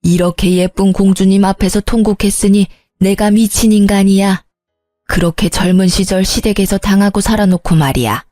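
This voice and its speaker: A woman's voice: mid-range voice, steady tone, moderate pace, mellow, dry recording, clean studio sound, soft background music, close to an everyday voice. A woman voicing an older mother-in-law who rambles in a regretful storybook scene, with a rambling, cooing manner. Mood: repentant.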